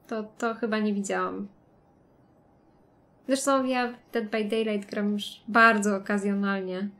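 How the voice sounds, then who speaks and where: A woman's voice: medium pitch, fairly even intonation, measured pace, a bit bright. A woman streaming a game live, chatting and greeting viewers and laughing often. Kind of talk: live let's-play commentary.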